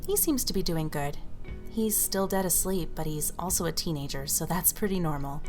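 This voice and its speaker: A woman playing an excitable, caring young female psychic friend in an audio drama. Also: lowish voice, moderate pace, soft background music, close to an everyday voice. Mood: casual.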